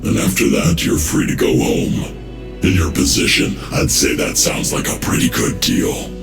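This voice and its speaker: In a full character voice with big pitch swings, a man portrays a smug, menacing game villain agent, talking down to the listener with fake sympathy. His voice is very deep and gravelly, at normal speed, recorded with roomy echo and background music.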